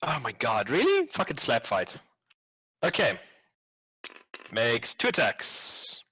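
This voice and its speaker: A man's voice: medium pitch, very animated, slow pace, pushed and bright, slight background noise. A man acting as game master, improvising tabletop game narration in a casual, sweary, slangy way.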